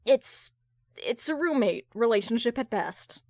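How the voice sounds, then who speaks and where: A woman acts out an insecure man who talks himself up in an audio drama. He stammers and protests, flustered and quick to defend his pride, in a close, dry sound. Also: on the high side, expressive, darkish tone, no room sound. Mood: defensive.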